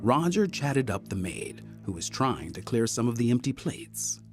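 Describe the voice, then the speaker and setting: A man narrating a scripted audio mystery drama as a polished, deliberate storyteller. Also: mid-range voice, very animated, music in the background, lightly acted. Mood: storytelling.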